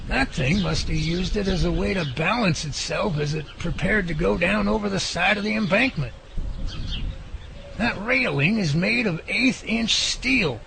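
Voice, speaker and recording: An actor playing an earnest, curious man who leads a team of creature researchers in an audio drama, speaking deliberately. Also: high-pitched, creaky, exaggerated voice. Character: earnest, curious male Bigfoot researcher leading his team.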